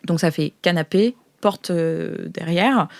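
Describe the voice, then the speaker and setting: A woman's voice: fairly low pitch, takes it slowly, vocal fry, no echo. A woman improvising scene descriptions as a game master in a casual, conversational way.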